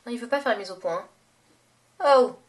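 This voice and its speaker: In a casual makeup-haul vlog, a young beauty vlogger with a fairly high voice chats away at a moderate pace, gushing over her products. She leans on fillers and often corrects herself, and she sounds a bit distant from the camera mic.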